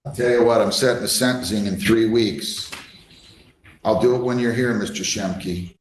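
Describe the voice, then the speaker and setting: A man's voice: fairly low pitch, steady tone, moderate pace. A man presiding as a judge in a courtroom recording, questioning and admonishing in a blunt, plain-spoken way. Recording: echoey courtroom recording with faint noise.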